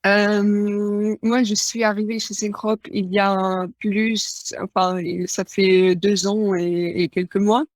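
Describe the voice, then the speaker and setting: A woman's voice: mid-range voice, flat delivery, takes it slowly, few pauses, no room sound. Hesitant woman with a Ukrainian accent. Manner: hesitant, many fillers. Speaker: guest. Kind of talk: casual interview answers.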